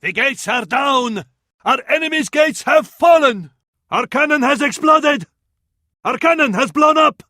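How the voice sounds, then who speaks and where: An actor playing a fervent Arab advisor to a sultan in a strategy video game, with an Arabic accent and ornate, theatrical delivery. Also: male voice, very high-pitched, animated, measured pace, sharp tone, no echo, clean studio sound, full character voice. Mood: urgent alarm. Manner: ornate, dramatic, proverb-laden delivery.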